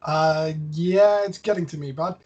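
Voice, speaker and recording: A man's voice: on the high side, unhurried, darkish tone, highs cut off. A man co-hosting an online event, chatting in a casual, upbeat way over a video call. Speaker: co-host. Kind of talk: casual chat.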